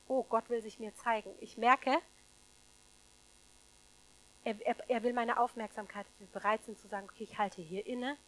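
A woman preaching a sermon to a congregation, emphatic, swinging between loud stresses and hushed asides, with rhetorical questions to the listeners. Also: a little high, fairly even intonation, normal speed, pauses often, low-quality recording.

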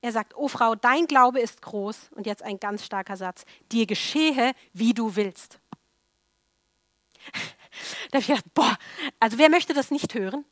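A woman's voice: a little high, unhurried, pauses often, dry recording, clean studio sound. A woman preaching a sermon emphatically, repeating key words for stress.

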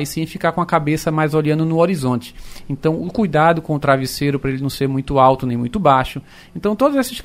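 A man, an orthopedic doctor explaining calmly on radio with plain comparisons. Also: a little high.

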